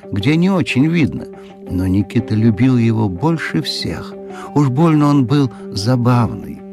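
A man narrating a children's fairy-tale audiobook in an expressive storytelling manner. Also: mid-range voice.

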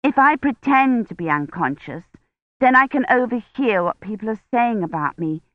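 A woman's voice: fairly high pitch, expressive, moderate pace, no room sound, pitched above the performer's own voice, lightly acted. An earnest young woman historian, voiced by a woman reading a novel, eager and reassuring in tone. The recording is dry and close, with a slightly dull, lo-fi sound.

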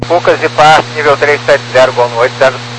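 A man's voice: a little high, steady tone, fast talker, noisy background. A man, an airline pilot, heard over an aviation radio channel, giving clipped, formulaic readbacks.

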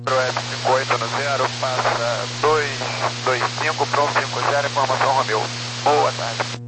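A man's voice: mid-range voice, steady tone, moderate pace. A man giving short calls and readbacks over a crackly aviation radio. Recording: very noisy crackly radio with hum.

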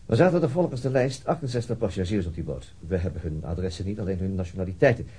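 An actor playing a dogged, weary male police detective in a Dutch radio drama, speaking haltingly. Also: low voice, expressive, warm tone, husky. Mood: cautious, formal. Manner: hesitant, halting.

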